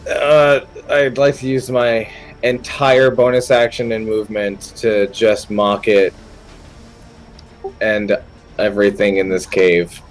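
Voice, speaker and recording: A man's voice: on the low side, little pitch movement, slow pace, faint music behind, low-quality recording. A man playing a tabletop game, chatting casually in a playful, slangy way.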